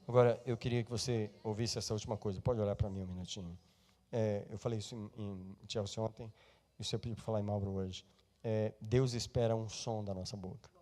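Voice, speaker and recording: A male pastor preaching a sermon in a church, moving between soft, intimate talk and loud exhortation. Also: on the low side, steady tone, fairly quick.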